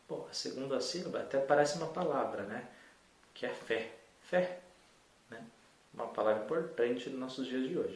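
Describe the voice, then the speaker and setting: A man teaching an adult literacy lesson, patient and encouraging, talking straight to the learner. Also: mid-range voice. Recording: echoey room, distant mic, faint hiss.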